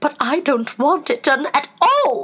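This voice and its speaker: A woman speaks in a put-on, squeaky character voice pitched high. Her pace is fairly slow, with ordinary pitch variation. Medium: read story. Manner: flustered, rambling.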